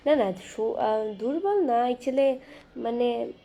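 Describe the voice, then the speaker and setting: A young woman hosting a casual live stream from her phone, reading viewer comments aloud and chatting back in a soft, quiet voice. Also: fairly high pitch, vocal fry, slight background noise. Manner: soft-spoken, talking quietly and slowly. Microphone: phone camera.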